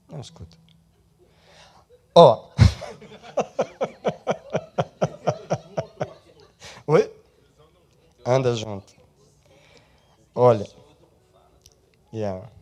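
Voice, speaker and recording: A male pastor with a fairly low voice preaches an animated sermon, swinging between loud and soft passages and slipping English words into his speech.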